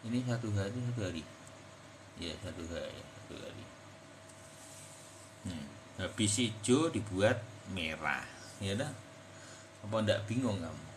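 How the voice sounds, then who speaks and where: A man with a fairly low pitch talks at a fairly slow pace, with long, frequent pauses, big swings in loudness and ordinary pitch variation, amid audible room echo and noticeable background noise. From Indonesia, Semarang (Central Java). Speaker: crypto trading educator. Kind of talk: live-stream tutorial. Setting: live TikTok stream. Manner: casual, chatty.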